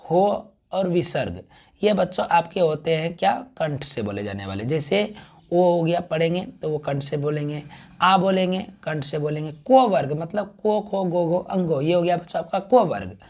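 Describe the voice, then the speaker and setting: A man teaching a grammar class, who keeps calling out to the children, sounds out syllables slowly and answers his own questions. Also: a little high, darkish tone.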